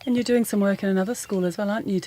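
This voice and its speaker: Woman radio host, fast-talking and mellow, curious questioner. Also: medium pitch, steady tone. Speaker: radio interviewer.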